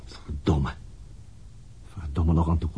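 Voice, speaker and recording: An actor playing a brooding, dogged police detective in a radio drama, weary and musing in a halting, husky voice. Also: male voice, very deep voice, flat delivery, dark tone, slight background noise. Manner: halting, musing, muttering to himself. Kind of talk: radio drama acting with introspective monologue.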